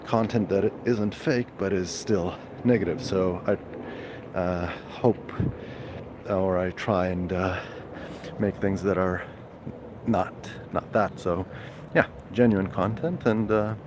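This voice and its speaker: A very low-pitched man chats casually with his live-stream viewers. He talks slowly and haltingly, stopping often for fillers and restarts. Faint ambient sound sits behind him. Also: background noise. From Serbia.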